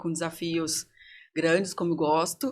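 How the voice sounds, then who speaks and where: The speaker talks at a moderate pace with fairly even intonation. The background is quiet. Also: woman. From Brazil, interior of Minas Gerais. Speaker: executive and board advisor. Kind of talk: interview.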